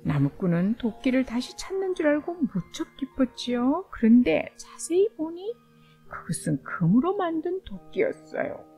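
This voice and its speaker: Animated woman reading slowly to a toddler. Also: sits high, soft background music. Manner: reading to a toddler, expressive and simple. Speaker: storyteller. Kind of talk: bedtime storybook narration for young children.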